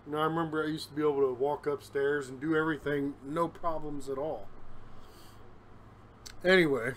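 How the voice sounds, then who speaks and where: Guy talking to his phone cam at home, kinda high voice, rambly and candid, bit out of breath. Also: fairly even intonation, a little fast, slight background noise. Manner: rambling, candid, self-deprecating. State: a little out of breath. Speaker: vlogger. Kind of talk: casual solo vlog. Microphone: phone camera, recording himself.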